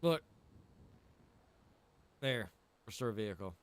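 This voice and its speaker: A man with a fairly low, expressive voice talks slowly through a casual, rambling livestream while he games, repeating phrases for emphasis. He is a game streamer who also co-owns a roleplay server.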